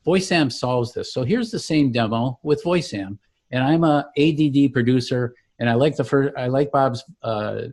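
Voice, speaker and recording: A man's voice: mid-range voice, moderate pace, darkish tone. A man giving a conversational product demonstration as a company founder, explaining things with enthusiasm.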